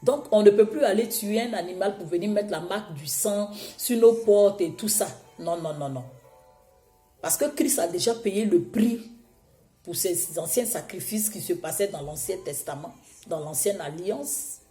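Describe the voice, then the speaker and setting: A woman preaching a sermon, hoarse from a cold, exhorting her listeners with emphatic repetition. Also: mid-range voice, moderate pace, warm tone, reverberant, soft background music.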